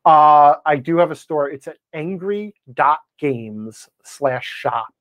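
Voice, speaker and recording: An American man chatting casually as a podcast guest, rambling and self-deprecating, with an animated, ranting way of talking. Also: on the high side, slow, no echo. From Wisconsin, United States. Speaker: podcast guest, blogger and game designer. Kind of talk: casual interview chat.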